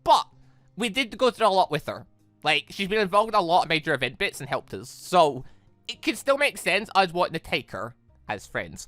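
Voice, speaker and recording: A man doing rambling, exasperated let's play commentary on a visual novel, in an animated way. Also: high voice, moderate pace, no echo, soft background music. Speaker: gaming video host.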